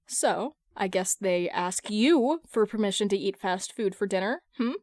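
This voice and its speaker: A woman's voice: medium pitch, expressive, measured pace, a little mellow, no echo, clean studio sound, lightly acted. A woman playing a smug, teasing businesswoman. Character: confident teasing businesswoman, smug and sweetly nonchalant. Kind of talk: amateur fan fiction audiobook reading.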